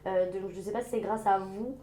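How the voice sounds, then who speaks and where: A woman's voice: mid-range voice, steady tone, a little fast, a crowd in the background. Chatty woman guest, echoey room. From France. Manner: chatty, enthusiastic, keeps saying "c'est ça". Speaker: guest, stylist and actress. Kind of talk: casual interview chat.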